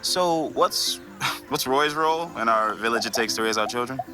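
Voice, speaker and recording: A man's voice: mid-range voice, moderate pace, over music, close to an everyday voice, rough recording. An actor in his twenties playing a sarcastic, comic-book-loving young husband in a naturalistic comedy audio drama. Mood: wry, exasperated. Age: 20s. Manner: wry, teasing, exasperated.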